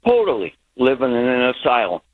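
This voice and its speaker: A man's voice: mid-range voice, huge pitch swings, a little fast, dry recording. Impassioned male caller over the phone. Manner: impassioned, restarts sentences. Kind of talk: talk radio call-in. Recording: tinny phone line.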